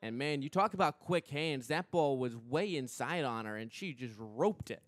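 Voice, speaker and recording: A young American man doing live radio play-by-play commentary of a softball game as the announcer. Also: mid-range voice, no echo. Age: young adult. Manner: measured between plays, excited on big plays.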